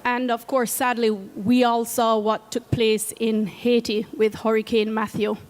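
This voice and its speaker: A woman with a Jamaican accent giving a prepared talk as a program head, earnest and measured. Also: a little high, little pitch movement, in a large hall. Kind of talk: prepared presentation. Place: event space at a conference.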